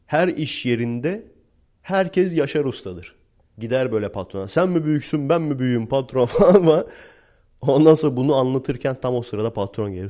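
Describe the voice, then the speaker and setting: Wry young man, mellow low voice. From Turkey. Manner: chatty, wry, laughs while telling anecdotes. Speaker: teacher. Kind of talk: casual storytelling vlog.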